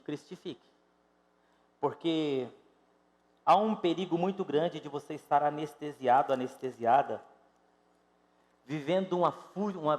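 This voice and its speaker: Preaching in a church sanctuary, this Brazilian man in his fifties has a slightly high voice and a Brazilian Portuguese accent, with big-room acoustics. As pastor he speaks emphatically and directly to the congregation, lurching from loud exclamations to quiet, stretched-out phrases.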